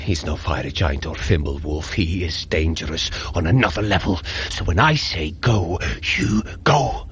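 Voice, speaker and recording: An actor playing a brave, protective Norse thunder god in an audio drama, speaking in a solemn, formal, declamatory way. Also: male voice, sits low, normal speed, few pauses, close to an everyday voice. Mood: urgent, earnest. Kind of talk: scripted audio drama acting.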